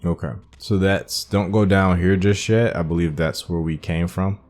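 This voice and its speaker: A man's voice: low-pitched, steady tone, normal speed, a little mellow. A man giving casual gameplay commentary, thinking aloud and explaining each step as he goes. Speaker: gaming host. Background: game audio with faint music.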